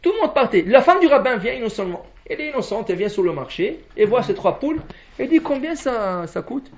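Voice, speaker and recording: A man giving a Torah lesson as a lively storyteller, acting out the characters' lines. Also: extremely high pitch, fast. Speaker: rabbi. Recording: dull lo-fi recording.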